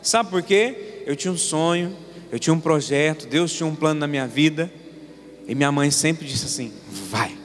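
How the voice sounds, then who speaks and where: A man's voice: fairly high pitch, moderate pace. A man in his twenties from Paraná, Brazil, preaching a sermon as pastor, telling stories and asking the congregation rhetorical questions. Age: 20s. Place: church sanctuary. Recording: long church reverb, faint room ambience.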